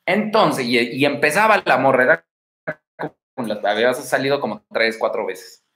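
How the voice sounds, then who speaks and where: A man's voice: mid-range voice, moderate pace, fairly bright tone, echoey room. A man in his thirties with a Mexican Spanish accent, giving dating advice in slangy, casual livestream talk and telling stories to his viewers. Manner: slangy, storytelling, addresses viewer as buddy.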